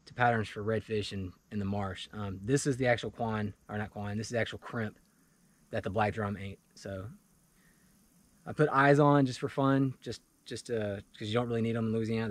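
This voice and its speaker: A man in his forties talking casually to camera in a wooded clearing, walking through his fishing gear with lots of fillers and restarts. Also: on the low side. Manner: relaxed and chatty, many fillers and restarts. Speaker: fly fishing vlogger. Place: outdoors in a wooded clearing beside a pickup truck.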